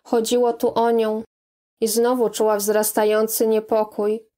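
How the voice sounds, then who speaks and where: Slow, measured woman audiobook reader. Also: a little high, flat delivery, dark tone. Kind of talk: scripted narration.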